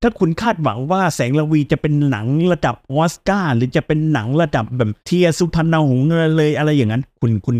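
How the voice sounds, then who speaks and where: A man's voice: a little high, quick pace, hardly any pauses, no room sound. Male podcast host, casual film talk, laughs a lot, dry close mic. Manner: laughs often, animated and joking. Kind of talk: casual film review chat.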